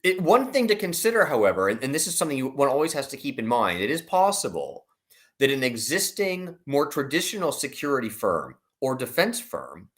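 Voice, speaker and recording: Man with very animated, swinging intonation. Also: medium pitch, fairly quick. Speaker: investment analyst guest. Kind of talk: conversational financial commentary in an interview.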